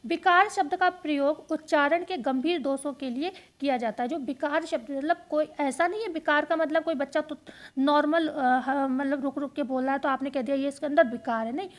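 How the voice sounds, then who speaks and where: A woman teaching an exam-prep lesson, explaining step by step and repeating key points as quick questions and answers. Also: sits high.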